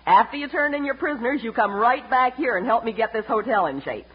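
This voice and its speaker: Feisty frontier aunt, animated. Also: female voice, fairly high pitch, a little fast, husky. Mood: bossy, hopeful. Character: feisty, bossy frontier hotel-keeper aunt. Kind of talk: 1950s radio western acting. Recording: dull, faintly noisy vintage radio recording.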